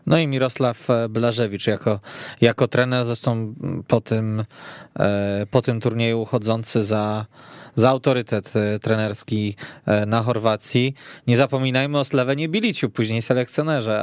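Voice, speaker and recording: A man's voice: on the low side, a little mellow, dry recording, clean studio sound. A man hosting a semi-formal sports podcast, with wordy, ornate phrasing in broken-up clauses. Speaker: podcast host. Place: radio studio.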